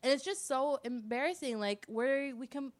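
A woman's voice: sits high, lively intonation, moderate pace. A woman with a Toronto accent in casual chat, talking in a playful, emphatic, slangy way.

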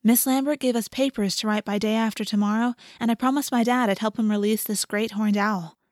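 A woman voicing a gentle, animal-loving teenage girl in an audiobook, earnest and matter-of-fact. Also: a little high, steady tone, a little fast, no echo, clean studio sound, lightly acted.

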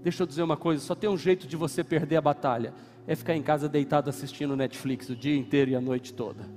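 A Brazilian man preaching a sermon in a high voice, moving between quiet, drawn-out lines and loud, fervent exhortation. His voice rings through a reverberant church hall with faint music underneath. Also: steady tone. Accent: Brazilian Portuguese. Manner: preaching with sweeping swings from hushed to shouted. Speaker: pastor.

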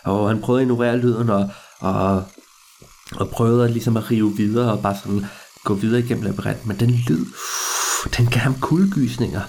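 A man telling a story to listeners in a lively, meandering way, with hesitations and repeats. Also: on the low side, vocal fry, a little hiss or hum.

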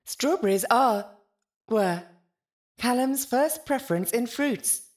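A woman playing a ship's AI in an audio drama, formal, literal and gently concerned, with precise, stilted wording. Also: on the high side, expressive, slow pace. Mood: formal, measured.

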